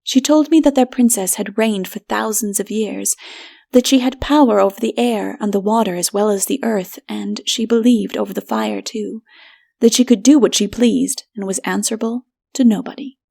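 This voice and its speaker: A woman's voice: mid-range voice, normal speed, gravelly, warm tone. A woman reading a story aloud as dramatic, scripted audiobook narration.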